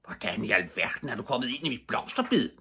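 A man voicing an angry grown man shouting over a hedge about his flower bed, in a storybook reading. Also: mid-range voice, big pitch swings, gravelly, slight background noise, voice pushed up, heavily acted. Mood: indignant shouting. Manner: indignant shouting.

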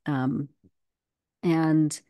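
A woman in her thirties with a low, mellow voice speaks as a guest on a video call. She talks fluently and with emphasis, full of "um" and "you know", and the sound from her home webcam is dry and close. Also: steady tone, drawn-out words, clear, resonant tone, dry recording. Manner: fluent and emphatic, with many fillers. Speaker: guest commentator. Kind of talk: casual video-call discussion.

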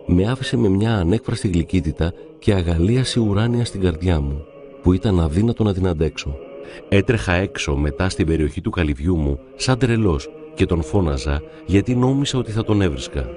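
A man narrating devout stories in a calm, measured reading. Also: sits low. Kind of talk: reverent scripted reading of saints' stories.

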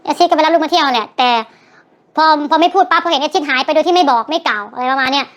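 A woman's voice: high-pitched, rapid-fire, a bit bright. An older woman, telling her side of a story in a rambling, chatty way in a recorded clip, with a sore throat. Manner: rambling, chatty, self-correcting. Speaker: vlogger.

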